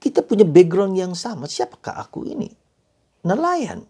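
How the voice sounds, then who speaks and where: A male priest delivers a sermon in an impassioned style, dropping to hushed, whispered phrases and rising to loud emphatic lines. His voice is very breathy and husky, and his pitch swings widely as he preaches. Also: sing-song, normal speed. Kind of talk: sermon with opening prayer.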